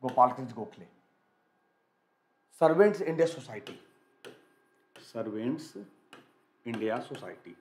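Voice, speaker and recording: A young male teacher running a live quiz lesson, energetic and repetitive, urging students to answer quickly. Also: medium pitch, roomy sound, a little hiss or hum. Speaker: online exam-prep teacher.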